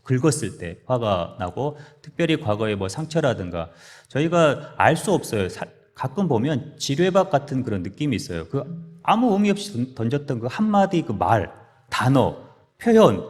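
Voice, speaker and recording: A male pastor speaks at a marriage seminar in a church hall. He tells stories with a lively, swinging delivery. His voice sits in the middle range and rings with long reverb. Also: medium pitch, moderate pace. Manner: lively storytelling, acting out quarrels with sudden loud lines.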